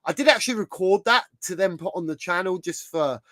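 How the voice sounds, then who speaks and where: A man with a sore, hoarse throat, hosting a casual livestream and rambling chattily as he browses. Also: high voice, animated, brisk, a bit bright, dry recording, clean studio sound. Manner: chatty, rambling, thinks aloud while browsing. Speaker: livestream host.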